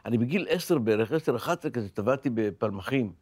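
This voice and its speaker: An older man speaks as a podcast guest and tells his own story with strong feeling, looping back on his words as he goes. His voice sits at an ordinary pitch and sounds close to the mic, with a dry, dead studio sound. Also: lively intonation, a little mellow, breathy edge, dry recording. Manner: emotional, vivid retelling with repeated words. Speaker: interview guest. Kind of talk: personal storytelling in a podcast interview.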